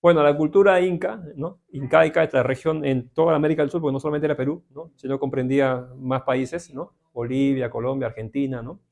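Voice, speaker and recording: A man's voice: mid-range voice, fairly even intonation, fairly quick, gravelly, hardly any pauses, a little mellow. A man with a Peruvian accent teaching an informal Bible class, talking conversationally with many tag questions to his listeners. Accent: Peruvian Spanish. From Peru.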